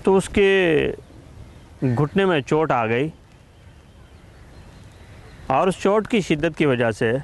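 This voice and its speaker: A man telling a moral story and then explaining its lesson in a measured, explanatory way, addressing listeners as friends. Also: fairly high pitch, lively intonation.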